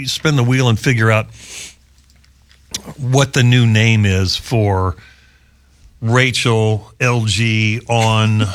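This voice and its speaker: A man with a slight Southern US accent hosting a radio talk show in a studio, bantering, joking and often laughing. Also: lowish voice. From Southern US, local to the station. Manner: jokey, rambling, laughs often.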